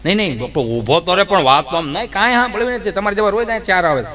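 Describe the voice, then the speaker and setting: Comic doing a grumpy elderly man; gruff, scolding. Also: high-pitched, fast talker, sharp tone. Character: grumpy old man in hospital.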